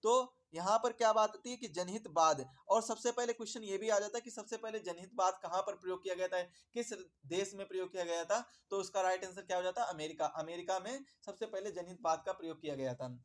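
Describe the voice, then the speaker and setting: A man's voice: high-pitched, fairly quick, hardly any pauses. A man teaching an exam prep lesson. He repeats his points, asks questions and answers them himself, and calls viewers "my dear brother".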